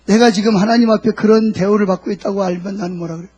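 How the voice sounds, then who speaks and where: A middle-aged man preaching a sermon, his voice pitched high with a husky, breathy edge. He throws questions at the congregation and answers them himself. At times he speaks God's words or a believer's prayers as if in their voices. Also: fairly even intonation, quick pace, dark tone, highs cut off. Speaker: pastor.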